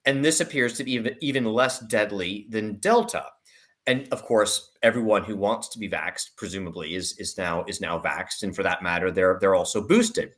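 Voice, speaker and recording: A man with a lowish, slightly bright voice speaks at normal speed as an investment analyst in an interview. His commentary is conversational, with repeated words and qualifying asides.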